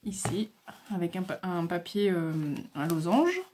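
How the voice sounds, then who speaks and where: A woman's voice: fairly low pitch, lively intonation, unhurried, a little mellow, slight background noise. A woman vlogger casually showing crafts she received by mail, talking hesitantly with many fillers and stumbling over her words.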